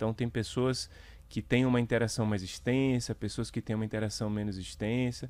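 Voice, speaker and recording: A man speaks with a northeastern Brazilian accent. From Natal, Rio Grande do Norte, Brazil. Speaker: neurosurgeon. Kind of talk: radio interview. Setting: studio.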